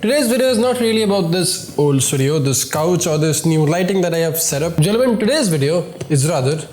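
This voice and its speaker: A man's voice: on the high side, lively intonation, a little fast, a little mellow. A man with an Indian accent and a nasal voice from a cold, hosting a men's style tutorial in an emphatic, repetitive way. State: congested with a cold. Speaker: host of a men's grooming video series. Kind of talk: scripted-style hairstyle tutorial addressed to viewers. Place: home studio indoors. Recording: echoey room with music behind.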